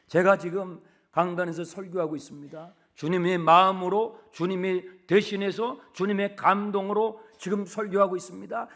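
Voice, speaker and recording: A male pastor preaching from a church pulpit in a high, lively voice with a gravelly edge. He moves between near-whispers and loud, emphatic repeated phrases. He talks with the congregation and asks them questions. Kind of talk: sermon.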